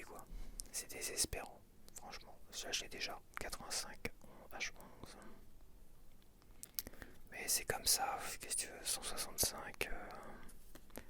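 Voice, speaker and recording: A man whispering softly into a close mic for ASMR, murmuring sticker numbers and rambling along. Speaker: ASMR creator.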